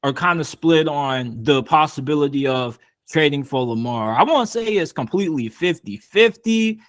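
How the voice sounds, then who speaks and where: A man's voice: a little high, animated, moderate pace, a bit bright, no room sound, clean studio sound. A man hosting a casual sports show, interviewing a guest in a laid-back, slangy way full of "like" and "you feel me.".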